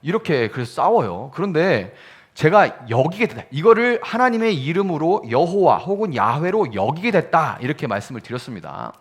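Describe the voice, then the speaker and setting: A man's voice: fairly high pitch, big pitch swings, normal speed, husky. A male pastor giving an explanatory sermon in a conversational teaching manner, asking the congregation questions and sounding out syllables one by one. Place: small church service.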